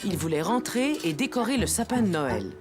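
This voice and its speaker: A woman's voice: medium pitch, very animated, moderate pace, music in the background. A woman narrating a children's cartoon story as a scripted storyteller.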